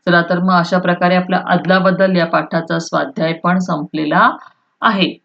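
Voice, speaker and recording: A woman's voice: on the low side, fairly even intonation, moderate pace, gravelly, a bit bright, muffled recording. A woman teaching a school Marathi lesson, explaining step by step, repeating key terms and asking if students follow, sometimes restating points in Hindi.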